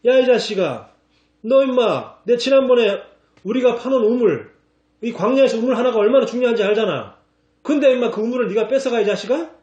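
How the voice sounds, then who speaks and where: A man playing an angry old patriarch who scolds a king in rough, blunt slang. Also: extremely high pitch, lively intonation, a little fast, darkish tone, roomy sound, muffled recording, voice pushed up. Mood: angry scolding.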